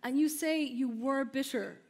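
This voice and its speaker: A woman's voice: sits high, unhurried, a little mellow. A woman interviewing a guest on a stage, asking questions and encouraging her with frequent "mm-hmm". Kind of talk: onstage interview. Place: stage at a large gala, indoors.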